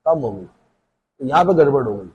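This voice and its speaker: A man's voice: medium pitch, lively intonation, moderate pace, slightly rough, highs cut off. A man teaching an exam-prep class, lecturing casually and asking questions that he answers himself. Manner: conversational, asks questions and answers them himself.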